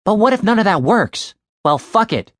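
A man's voice: high-pitched, big pitch swings, moderate pace, fairly bright tone, no echo, clean studio sound, voice pushed up. A woman voicing a grumpy, foul-mouthed young man, a former bartender who rants profanely. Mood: defiant. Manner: profane, ranting.

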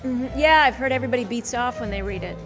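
An actress playing a teasing young barmaid. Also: female voice, a little high, music in the background, close to an everyday voice. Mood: dry. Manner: teasing, dry, quick comebacks. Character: playful witty young woman bartender. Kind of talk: radio play acting.

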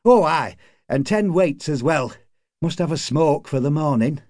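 A man's voice: fairly high pitch, lively intonation, a little slow, a little mellow, no echo, studio quality, voice pushed up. A man voicing an irritable, cynical working-class card player in an audiobook, grumbling in colloquial, sweary speech. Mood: breezy, matey. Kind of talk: audiobook character acting.

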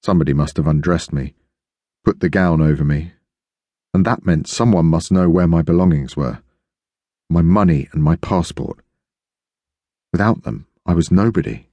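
A man narrating an audiobook in the first person, steady and measured. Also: low voice, dry recording.

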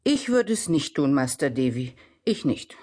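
An actress playing a kind-hearted, homely nursemaid in a radio drama, folksy and fussing. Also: female voice, deep voice, very animated, unhurried, darkish tone, heavily acted.

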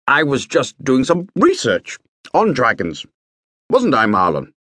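A man voicing a fussy, pompous old male professor who lectures in a prim, measured way. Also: mid-range voice, huge pitch swings, bright, forceful tone, dry recording, clean studio sound, heavily acted.

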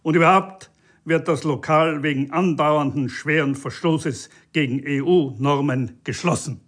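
A man reading an audiobook and voicing a pompous, shouting male EU police officer who barks orders in a raised, high voice. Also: unhurried, close to an everyday voice. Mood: barking, officious. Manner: bellowing, officious, self-important.

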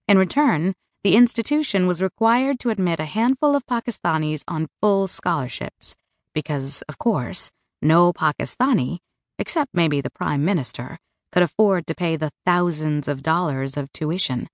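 A woman narrates a first-person novel in a measured, even way, her voice sitting a little low. She is recorded close on the mic in a dead, dry booth with no room sound at all. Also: dry recording. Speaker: audiobook narrator. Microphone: close studio mic.

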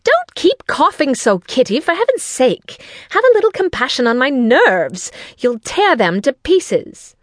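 Shrill, fretful, excitable mother. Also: moderate pace, dry recording, clean studio sound, full character voice. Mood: scolding. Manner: shrill exclamations, complaining, effusive. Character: fretful, excitable middle-aged mother, self-pitying and gushing.

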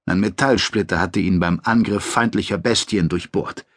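A man reading a science-fiction audiobook in a measured, dramatic narrating voice. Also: sits low, dry recording. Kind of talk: scripted narration.

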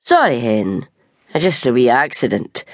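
A woman's voice: very deep voice, very animated, unhurried, no room sound, pitched below the performer's own voice, exaggerated voice. Woman voicing a sneering drunk Scottish man. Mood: wheedling. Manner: slurring, sneering, aggressive. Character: belligerent drunk Scottish working man, ex-soldier.

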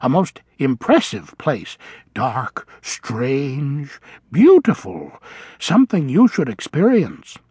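A man's voice: mid-range voice, wildly swooping pitch, slow pace, a little mellow, breathy edge, no room sound, exaggerated voice. A man voicing an elderly, nearsighted male vole who is fussy, apologetic and old-fashioned in speech. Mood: proud. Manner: flustered, polite, old-fashioned phrasing. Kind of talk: audiobook character voice.

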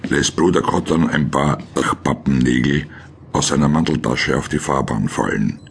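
Ein Mann mit österreichischem Akzent und rauer Stimme, der sachlich und trocken die Szenen eines Krimi-Hörspiels erzählt. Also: male voice, a bass voice, normal speed, slight background noise. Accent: Austrian. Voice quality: gravelly, husky. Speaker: narrator of a crime audio drama. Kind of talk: scripted scene narration in present tense.

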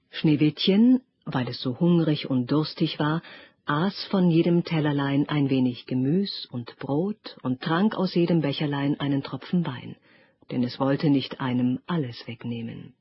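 Calm female storybook narrator, husky tone, slightly dull lo-fi audiobook recording. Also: sits low, no room sound.

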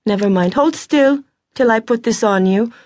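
A woman voicing an earnest, capable young farm woman who speaks firmly, a little higher than her narrating voice. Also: normal speed, darkish tone, no echo, close to an everyday voice. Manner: firm, earnest, slightly raised voice.

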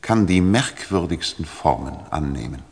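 An actor playing an aloof gentleman detective, weighty and deliberate, in a radio drama. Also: extremely low pitch, expressive. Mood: ponderous. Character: aloof, ponderous gentleman detective making a pronouncement. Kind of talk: radio play acting. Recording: long reverb.

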